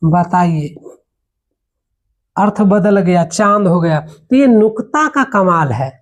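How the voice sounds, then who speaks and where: A man teaching a Hindi grammar lesson, explaining patiently, repeating each word slowly and often checking that his listeners follow. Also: high-pitched, animated. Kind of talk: classroom lesson.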